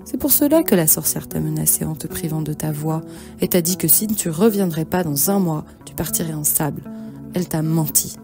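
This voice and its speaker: A woman's voice: low-pitched, expressive, brisk, vocal fry. A woman voicing a wise, grateful talking parrot in a cartoon fairy tale, explaining and reassuring. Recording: music behind the voice.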